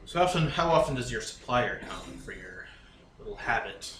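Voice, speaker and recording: A man's voice: mid-range voice, lively intonation, normal speed, background noise. A man playing a tabletop game, casually discussing what is going on in the story. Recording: echoey room recording.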